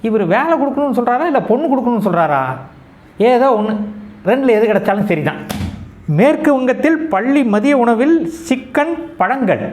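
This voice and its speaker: High, lively sarcastic comedy news man. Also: a little fast, slight background noise. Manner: reads headlines, then mocks them with sarcastic asides. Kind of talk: satirical news reading with quips.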